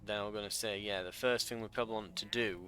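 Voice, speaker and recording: A man's voice: fairly low pitch, fairly even intonation, fast, sharp tone, smooth. A man giving casual let's play commentary, thinking aloud in a wry way.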